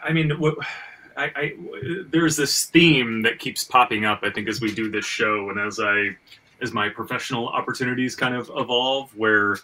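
Bright, forceful man, rambling and enthusiastic, off-mic. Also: mid-range voice, normal speed, distant mic, rough recording. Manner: rambling, repetitive stammering, enthusiastic. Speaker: podcast host and comic book writer. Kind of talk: casual podcast discussion.

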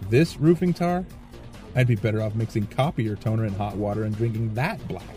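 Man acting a wry male coworker, mellow voice, self-deprecating, audio drama, faint music. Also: fairly low pitch, fairly quick, natural voice.

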